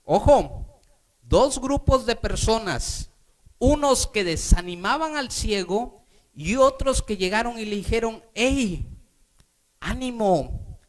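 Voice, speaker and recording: A man's voice: sits high, lively intonation, unhurried. A male Catholic preacher giving a sermon, speaking emphatically and calling for responses from the congregation.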